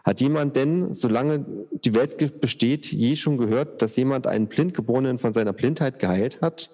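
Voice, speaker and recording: Brief: earnest healed blind man, man reading, husky, in a long echo. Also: mid-range voice, moderate pace, a little mellow. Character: formerly blind man, plainspoken and bold.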